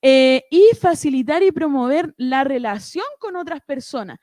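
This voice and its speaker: A woman with a high voice presents a church ministry workshop. She explains things step by step and keeps checking in with her listeners through short tag questions. The sound is dry, with no room echo. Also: animated, normal speed, a little mellow. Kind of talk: instructive church workshop talk.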